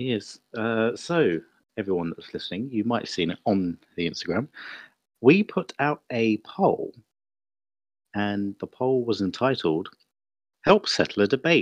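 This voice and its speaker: A man speaks fairly slowly at a medium pitch, with very wide pitch swings, big swings in loudness and long, frequent pauses. The sound is dry and close with no echo, over a quiet background. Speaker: podcast co-host. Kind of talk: casual chat.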